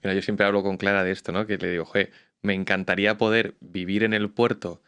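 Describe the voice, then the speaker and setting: Chatty low-voiced podcast host man. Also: flat delivery, fast, fairly bright tone, smooth. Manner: chatty, asks long rambling questions with restarts. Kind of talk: conversational interview.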